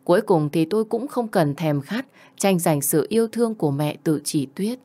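A woman's voice: fairly low pitch, animated, normal speed, mellow. A woman in her twenties narrating a first-person family story in a tender, emotional way. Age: 20s.

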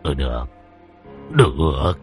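A man voicing a domineering older village chief who is gruff, bullying and threatening. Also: a bass voice, very animated, slow, music in the background, voice pushed down, heavily acted. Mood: smug.

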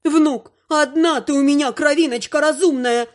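A man voicing a sharp-tongued, bossy old grandmother who scolds and shouts. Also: very high voice, big pitch swings, moderate pace, voice pushed up, full character voice. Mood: tearful.

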